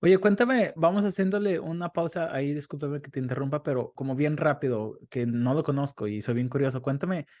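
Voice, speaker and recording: A man's voice: a little high, fairly quick, hardly any pauses, a little mellow. A man hosting a dental podcast, friendly and curious, speaking casually with slang. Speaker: podcast host.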